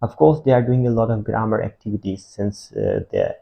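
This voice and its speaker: A man's voice: fairly low pitch, wildly swooping pitch, brisk, vocal fry, muffled recording. A man from Pakistan, an online tutor talking unscripted to camera. He rambles and repeats words as he searches for them, with grammar. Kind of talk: unscripted talk to camera about learning English.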